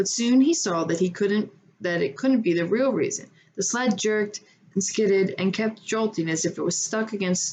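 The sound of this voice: What you hear is an unforced reading voice.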